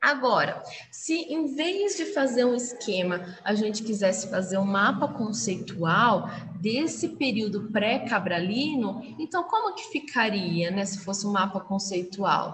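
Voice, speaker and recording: A woman speaks fairly slowly at a fairly high pitch with lively intonation. Audible room echo and noticeable background noise are present. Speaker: school teacher. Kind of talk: online class lesson. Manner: animated.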